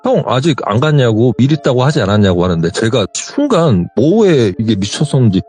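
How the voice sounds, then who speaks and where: A man's voice: medium pitch, brisk, breathy edge, faint music behind. A young man telling a true story in a phone interview, acting out the dialogue as he goes. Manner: animated retelling, quoting others in dialogue.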